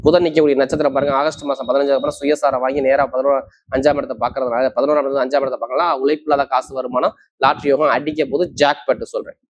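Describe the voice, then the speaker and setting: A man's voice: medium pitch, flat delivery, rapid-fire. A man giving an astrology forecast to viewers in an emphatic, assuring manner, often repeating key points. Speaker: astrologer, host. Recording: slightly dull, lo-fi sound.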